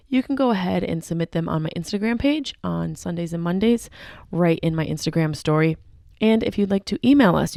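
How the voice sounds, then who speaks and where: A woman hosting a comedy podcast, her voice hoarse and partly gone, talking in a brash, joking way with plenty of swearing. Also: deep voice, a little mellow, dry recording, studio quality. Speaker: podcast host. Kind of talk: casual comedic podcast monologue. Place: guest room of a house.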